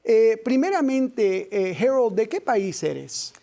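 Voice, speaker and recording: A man's voice: high voice, big pitch swings, takes it slowly, vocal fry. A man hosting a Christian interview program, reading scripture earnestly and then questioning his guests. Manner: reads scripture aloud, then asks questions warmly and earnestly. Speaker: host.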